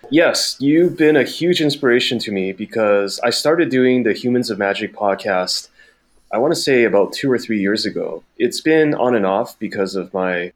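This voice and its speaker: Soft-spoken low-voiced man chatting. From Taiwan. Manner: thoughtful, many small restarts. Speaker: podcast guest. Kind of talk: casual interview chat.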